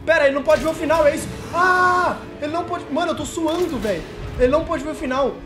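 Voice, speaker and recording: High-voiced panicky young man gaming. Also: fast talker, over music. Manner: panicky, repeats phrases over and over, shrieks when scared. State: shaky and sweating from fear. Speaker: gamer streamer. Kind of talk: horror game let's play commentary.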